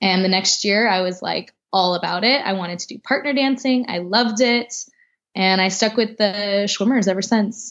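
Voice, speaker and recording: This woman has an unremarkable speaking voice with an American accent. She talks at a moderate pace and a medium pitch. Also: ordinary pitch variation. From California. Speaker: professional swing dancer and teacher. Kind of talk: casual chat.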